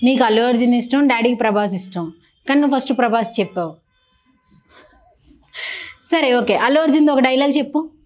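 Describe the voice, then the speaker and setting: A woman interviewer with a slightly high voice chats with young children. She teases them playfully and keeps the talk light and casual. She speaks into a handheld mic. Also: animated, fairly quick, pauses often, a little mellow, slight background noise. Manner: playful, teasing, chatty with kids.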